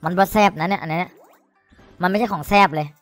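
Streaming a slot game, a man delivers excited, crude commentary, cursing and pleading at the screen. He has a high voice and talks fast, with soft music playing in the background.

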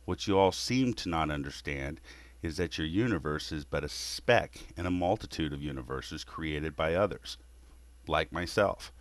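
A man voicing a weary creator god in a scripted monologue, lecturing humanity in a scornful, measured way. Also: extremely low pitch, expressive, no room sound.

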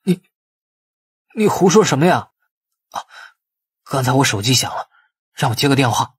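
A man's voice: mid-range voice, expressive, moderate pace, husky, dry recording, clean studio sound. A man voicing a frightened, angry hospital official, agitated and defensive, in an audiobook. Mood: nervous defiance. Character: frightened, angry male hospital deputy director.

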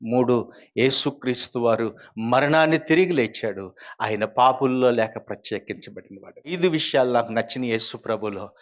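A man's voice: mid-range voice, moderate pace, muffled recording. A man, a pastor, telling his personal testimony in an earnest storytelling way. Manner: earnest storytelling, rising when quoting others.

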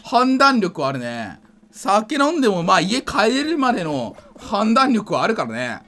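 A drunk man giving casual gameplay commentary, rambling, slightly slurred and excitable, often repeating himself. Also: high voice, a little slow. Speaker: gaming video creator.

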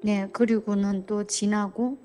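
A woman in her forties, a church member telling her family troubles in a counseling interview, talking slowly and hesitantly. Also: mid-range voice, level tone, faint music behind. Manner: slow, hesitant, soft-spoken.

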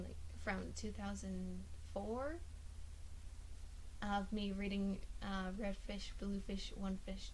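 A woman's voice: medium pitch, a little hiss or hum, low-quality recording. A young adult woman with a British accent that leans a little Welsh, chatting casually through a rambling storytime as a voice actor and YouTuber. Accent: British, slightly Welsh-leaning. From United States. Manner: chatty, rambling, a bit profane.

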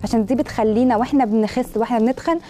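A woman's voice: a little high, very fast, warm tone, slight background noise. A woman with an Egyptian Arabic accent, a food blogger giving chatty cooking and health advice in a kitchen, rattling along and stacking up intensifiers.

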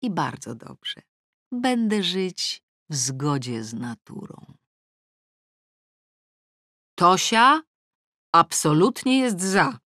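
A woman's voice: fairly low pitch, very slow, pauses often, no room sound, studio quality. Woman reading a first-person audiobook. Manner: lively, ironic storytelling, rising to exasperation. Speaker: audiobook narrator. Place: studio. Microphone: close studio mic.

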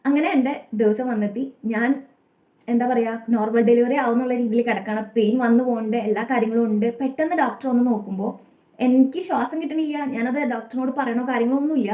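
A woman's voice: fairly high pitch, dark tone. A young woman with a Malayali accent telling a personal story to camera in an earnest, confessional way. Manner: earnest, rapid confessional telling with frequent tag "kettō". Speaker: vlogger. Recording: echoey room.

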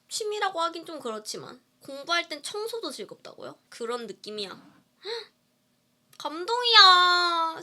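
Eating on a livestream, a woman indie singer answers viewer comments in a casual, playful, giggly way. Her voice sits high and has a sharp tone.

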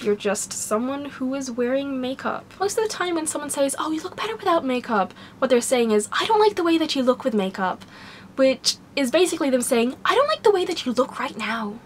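A young woman speaks straight to a close camera in a small room, her voice hoarse because she has a cold. She talks in a candid, wry, rambling way, sitting a little high in pitch. A faint hiss sits under the recording. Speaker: vlogger. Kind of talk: casual talking-to-camera vlog. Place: small home bedroom, indoors.

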